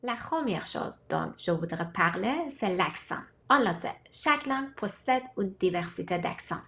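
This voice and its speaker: A woman who learned French as a second language, giving a scripted, measured talk as a language-learning vlogger. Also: lowish voice, lively intonation, gravelly, a bit bright. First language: not French. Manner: measured, deliberate delivery in short listed phrases. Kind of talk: scripted explanatory monologue.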